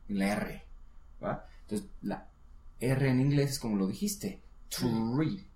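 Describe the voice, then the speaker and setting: A man teaches pronunciation in a relaxed one-on-one lesson. His voice sits at an ordinary middle pitch, and he patiently models each word slowly. The room is echoey. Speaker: English teacher.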